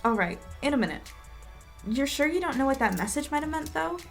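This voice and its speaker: A woman's voice: sits high, lively intonation, brisk, gravelly, faint music behind. A woman playing a wry, troubled young reporter in an audio drama, speaking with dry, understated sarcasm. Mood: wry, probing. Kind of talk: audio drama acting, diary-like monologue and dialogue.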